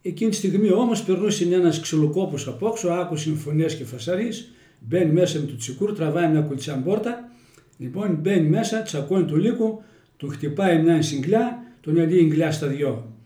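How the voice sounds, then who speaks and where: A man with a Kozani accent telling village folk tales in a homely, folksy way. His voice is mellow and dark, a little higher than usual for a man. The room is roomy and echoey. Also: lively intonation. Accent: Kozani Greek dialect. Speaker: storyteller interviewee.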